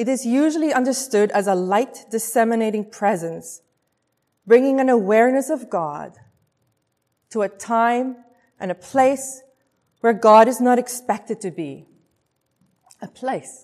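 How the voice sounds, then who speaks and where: Speaking at a fairly high pitch, a woman leaves long, frequent pauses. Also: ordinary pitch variation, fairly slow pace. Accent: South African. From South Africa. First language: Afrikaans. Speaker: magazine editor and guest speaker. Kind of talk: sermon. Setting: church.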